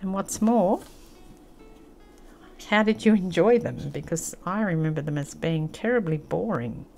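A woman's voice: lowish voice, expressive, measured pace, vocal fry, darkish tone, soft background music. An older woman with an Australian accent, chatting casually and reminiscing as she hosts a craft tutorial at a table. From country New South Wales, Australia. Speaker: craft channel host.

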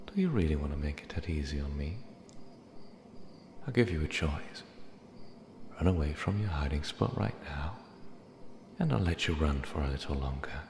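A man's voice: a bass voice, darkish tone. A man playing a possessive, menacing cat demon in an ASMR roleplay, taunting with mock affection. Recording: echoey hall reverb, clear background noise. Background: ambient sound effects.

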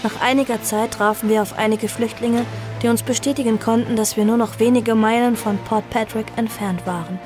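Frightened, tender young girl played by a woman, horror radio play, high voice, music underneath. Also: fairly even intonation, a little fast, lightly acted. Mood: somber, tense. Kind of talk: horror audio drama, narration and dialogue.

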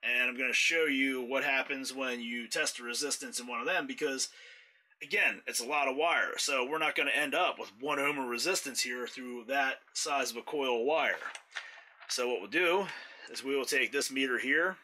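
A man with a very bright, sharp-edged voice walks through a repair job in a workshop. He talks in a relaxed, explanatory way while his hands are busy with the tools. The delivery is casual and patient. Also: medium pitch, moderate pace, poor audio. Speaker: mower repair technician. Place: indoors, workshop floor.

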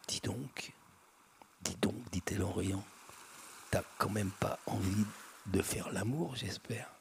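Man reading as a tender, teasing young woman, murmured and gravelly. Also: deep voice, takes it slowly, noisy background, full character voice. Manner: soft, mocking murmur.

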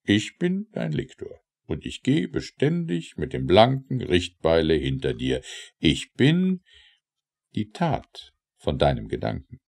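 A man narrating an audiobook of verse in a theatrical, declamatory manner with measured phrasing and pauses. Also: deep voice, huge pitch swings, gravelly, a little mellow. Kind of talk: dramatic recitation of satirical verse.

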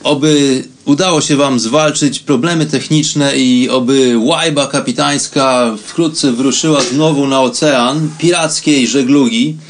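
A man from Poland with a medium-pitched voice hosts a radio program. He talks informally and reflectively, as if improvising a monologue. His phrasing is chatty and unhurried. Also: fairly even intonation.

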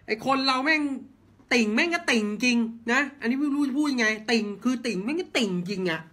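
A man's voice: very high-pitched, fairly quick, bright, forceful tone. A man ranting blunt football commentary, heated and swearing, firing off rhetorical questions. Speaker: football fan channel host.

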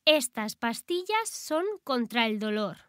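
A woman reading short phrases slowly and clearly, repeating each one for language learners. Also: fairly high pitch, big pitch swings, no echo, studio quality. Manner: clear, careful, deliberate enunciation. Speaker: language teacher.

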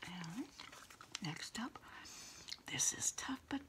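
A middle-aged woman whispering a quiet ASMR roleplay close to the mic, in a breathy, murmuring voice with pauses and soft hums. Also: lowish voice, expressive. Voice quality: breathy, mostly unvoiced whisper. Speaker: ASMR host playing a therapist. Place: small candlelit indoor room.

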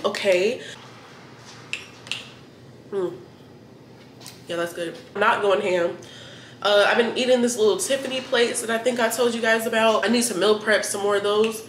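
A woman's voice: mid-range voice, slight background noise. A young adult woman vlogging her day in a casual, blunt, profane way, sounding a bit stuffy in the nose. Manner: blunt, profane, chatty, talks straight to viewers. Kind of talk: casual day-in-the-life vlog. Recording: echoey room with clattering dishes.

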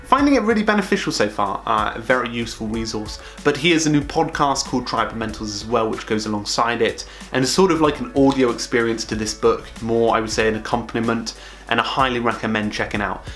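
A man's voice: mid-range voice, fast talker, soft background music. A young man talking to camera from a small home office, sharing monthly recommendations in a chatty, upbeat way and lifting his voice at each new item. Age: young adult. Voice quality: calls his own voice monotone. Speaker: productivity vlogger. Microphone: camera close up at desk.

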